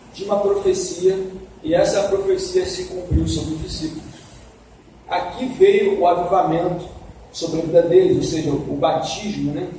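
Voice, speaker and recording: In a church hall, a man teaches a Bible-based Sunday school class, coaxing his students with questions along the way. His voice sits high with a dark tone, captured from far off in an echoey hall with a bit of hiss or hum.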